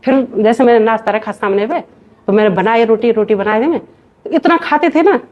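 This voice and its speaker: A rapid-talking woman in her forties, from Himachal Pradesh, recounts family events and slips into the voices of the people she quotes. Her voice sits a little high, and the recording sounds dull and lo-fi. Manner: animated storyteller who acts out family quotes. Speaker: guest sharing a personal story. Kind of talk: casual spoken testimony.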